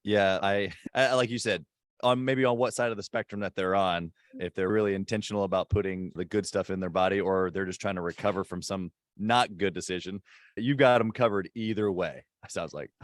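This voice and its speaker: Male podcast host, deep and low, punchy delivery kept hushed, very dry sound. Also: a little fast, dry recording. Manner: emphatic, hyped-up, kept quiet in a public spot. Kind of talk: casual interview chat. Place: airport.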